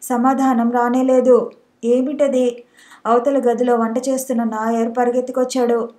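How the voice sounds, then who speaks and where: A woman's voice: fairly high pitch, level tone, normal speed, warm tone. A woman narrating a novel as an audiobook, reading steadily and evenly.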